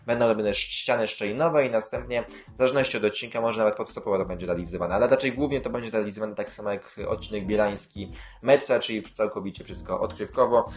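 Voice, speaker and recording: A YouTube host covering city transit news speaks fast in a lowish voice. He hosts a casual news roundup, rambling with filler sounds and self-corrections while tossing in dry, sarcastic asides.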